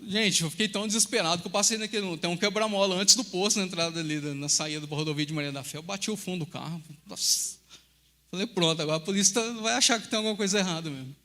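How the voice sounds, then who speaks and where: A middle-aged male pastor with a Brazilian Portuguese accent gives a sermon built on personal stories and keeps calling out to the congregation. His voice sits high and sounds bright and forceful, and his telling is animated. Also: fast talker. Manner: animated storytelling, addressing the congregation as brothers.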